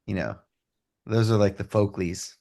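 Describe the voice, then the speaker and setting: A man's voice: fairly low pitch, a little slow, gravelly, mellow. A man in his forties co-hosting a podcast, chatting casually and making wry, teasing asides. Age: 40s. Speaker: podcast co-host.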